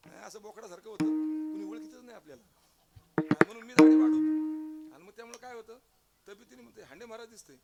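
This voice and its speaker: A man's voice: high-pitched, quick pace, pauses often, darkish tone, muffled recording, faint music behind. A man with a Marathi accent giving a devotional kirtan sermon, telling a funny story and acting out its dialogue. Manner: humorous storytelling, acts out dialogue, bursts into chanting. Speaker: kirtan preacher.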